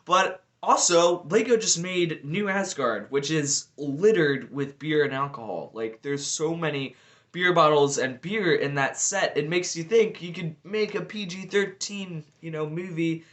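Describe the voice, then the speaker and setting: A man's voice: on the high side, a little slow, fairly bright tone. Rambling man chatting on a vlog. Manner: rambling, with many fillers like "you know" and "like". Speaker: Lego video creator. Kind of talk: casual speculative vlog chat.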